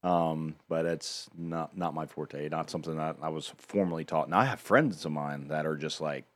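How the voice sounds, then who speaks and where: A male radio co-host with a very deep voice, relaxed and a little halting, often restarting his sentences. He trades easy banter in the studio. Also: no echo. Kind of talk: casual morning radio banter.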